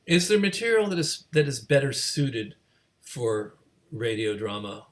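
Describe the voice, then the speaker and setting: A man with a medium-pitched voice hosts a conversational interview. He talks haltingly, tripping over the first words of his phrases as he works toward his point. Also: big pitch swings. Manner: halting, stammering over word starts. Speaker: interviewer, event host.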